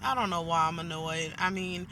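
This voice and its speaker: A woman's voice: fairly low pitch, steady tone, normal speed, background noise. A woman in her forties, chatting casually from inside her car, annoyed and venting with lots of "guys" to her viewers. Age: 40s. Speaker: vlogger. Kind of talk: casual vlog chat.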